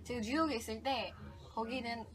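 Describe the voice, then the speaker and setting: Female podcast teacher from South Korea, high voice, informal, giggly, demonstrating English pronunciation. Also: moderate pace. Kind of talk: conversational podcast lesson.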